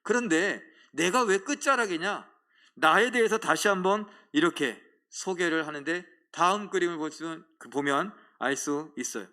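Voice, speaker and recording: A middle-aged man preaching a sermon as pastor, lively and animated, acting out the voices of churchgoers in a church sanctuary. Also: on the high side, normal speed.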